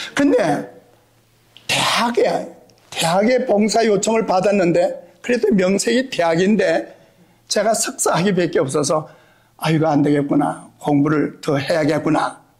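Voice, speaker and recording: A man's high-pitched voice with lively intonation, very even loudness and a fairly slow pace, in audible room echo. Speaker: retired pastor and college president. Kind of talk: sermon.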